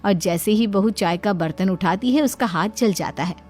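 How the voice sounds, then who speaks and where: A woman's voice: mid-range voice, moderate pace, loud music behind the voice. A woman giving scripted, dramatic story narration.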